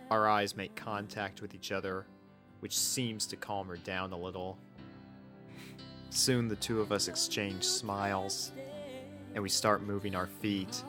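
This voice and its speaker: A man reading a first-person story as scripted narration, in an earnest, sentimental manner. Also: lowish voice. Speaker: fan fiction reader.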